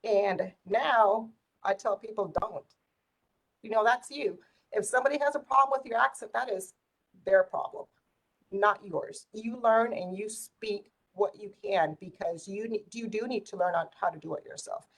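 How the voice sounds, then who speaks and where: A middle-aged woman who grew up speaking Spanish talks in a relaxed, conversational storytelling style. She has a medium-pitched voice and retells exchanges by quoting them in an animated manner. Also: normal speed, poor audio. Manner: animated retelling with quoted dialogue. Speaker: community volunteer sharing life stories.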